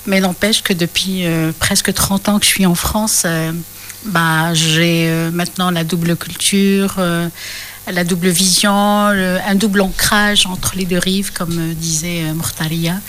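A woman in her fifties with an Algerian accent, a radio guest talking in a hesitant way, full of filler pauses. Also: lowish voice, steady tone, a bit bright, a little hiss or hum. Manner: hesitant, many filler pauses, rapid bursts. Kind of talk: casual radio conversation.

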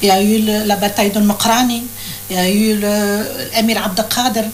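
A woman's voice: mid-range voice, steady tone, a little fast, soft background music. A woman with an Algerian accent in a radio discussion, making points insistently and repeating them for emphasis. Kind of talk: explanatory discussion, mixing languages. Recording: clear background noise and hum.

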